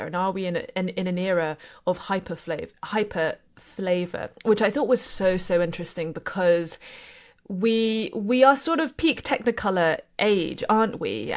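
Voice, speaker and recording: A woman from Indonesia and Singapore, a panelist on a news podcast, talking in a thoughtful, hesitant way with many restarts. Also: medium pitch. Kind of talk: casual chat.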